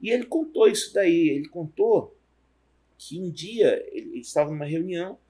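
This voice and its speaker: Man, middle-aged, husky voice, fairly high pitch, rambling storyteller. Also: animated, dark tone. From Amazonas, Brazil. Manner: rambling, halting storytelling with restarts. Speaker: university professor, guest. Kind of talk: relaxed career interview.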